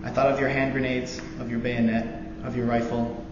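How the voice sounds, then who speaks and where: A young man, a student veteran, reads a war novel aloud in a steady, earnest voice. The recording is dull and lo-fi, with a long hall reverb behind him. Steady noise sits under his voice. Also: medium pitch. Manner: halting intro with many fillers, then steady earnest reading. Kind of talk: live reading of a novel passage. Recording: roomy echoey hall, dull lo-fi sound, noisy.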